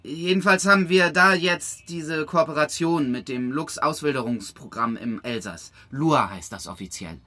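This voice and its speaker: An actor playing an aggrieved, opinionated environmental activist in a German audio drama, with a sarcastic manner. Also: male voice, on the high side, moderate pace, few pauses, sharp tone. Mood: sardonic. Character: sardonic, aggrieved male environmental activist, bitter hamster champion.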